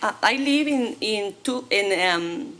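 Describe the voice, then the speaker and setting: Woman, slow halting english, faint room noise. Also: medium pitch, lively intonation, a bit bright. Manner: halting, searching for words. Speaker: public commenter. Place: city council chamber.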